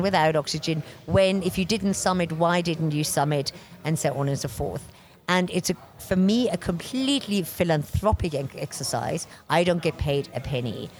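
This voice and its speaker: Loud, animated woman from Bavaria, forties, slightly low voice, interview guest. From Germany, Bavaria. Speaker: interview guest, expedition record keeper. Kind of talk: casual interview talk.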